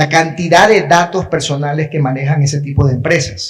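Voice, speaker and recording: Against audible room echo, a man with a fairly high, somewhat breathy voice speaks at a fairly slow pace with ordinary pitch variation. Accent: coastal Ecuadorian. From Ecuador coast, Guayaquil. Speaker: lawyer and government data protection official. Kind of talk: conference talk. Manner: hesitant repetitions, filler sounds.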